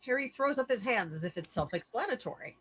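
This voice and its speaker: This stage-direction reader delivers the scripted scene headings and action lines of a screenplay during a table read. Her voice is fairly high, animated, and fast, with a fairly bright yet husky tone.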